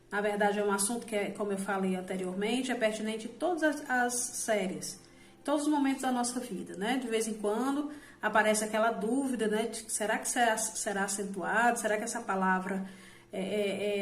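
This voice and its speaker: A woman's voice: a little high, reverberant. Patient woman teaching grammar. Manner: patient, explanatory, with frequent "né?" checks and restarts. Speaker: Portuguese teacher. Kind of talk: recorded online lesson for adult learners.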